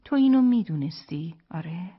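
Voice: mid-range voice, animated, slightly rough, lo-fi sound. An audiobook narrator voicing an anxious young newlywed wife who presses her husband with pleading, insistent questions. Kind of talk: audiobook character reading.

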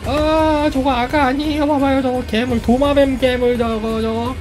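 A woman giving playful gameplay commentary, excitable, with frequent exclamations and laughter, and talking to the characters on screen. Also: high-pitched, normal speed. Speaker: gameplay video creator. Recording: game music clearly audible behind the voice.

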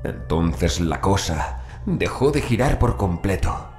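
Deep guy reading a scary story, slow dramatic pauses, roomy echo and a bit of noise behind. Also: very animated, a little mellow, faint music behind. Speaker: audiobook narrator. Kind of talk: scripted horror story narration.

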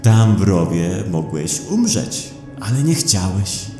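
A man voicing a calm, dark supernatural death figure that reproaches coldly in a horror audio drama. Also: sits low, takes it slowly, reverberant, faint music behind, pitched above the performer's own voice, heavily acted. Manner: calm, accusing.

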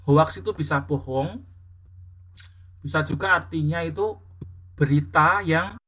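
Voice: medium pitch, unhurried, a bit bright. Indonesian English teacher, patient and repetitive, drilling pronunciation with a class. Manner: explains patiently, repeating words and correcting pronunciation.

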